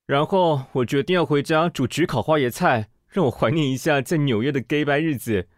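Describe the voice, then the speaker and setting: An actor playing a vain, bossy gay fashion-magazine director in a radio drama, with a Taiwanese Mandarin accent and a haughty, theatrical manner. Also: male voice, a little high, a little fast, no echo, clean studio sound, lightly acted. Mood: deadpan storytelling.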